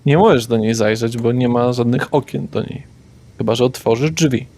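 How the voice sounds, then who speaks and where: A man running a tabletop vampire game as game master, narrating in a relaxed way with frequent hesitations. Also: medium pitch, normal speed.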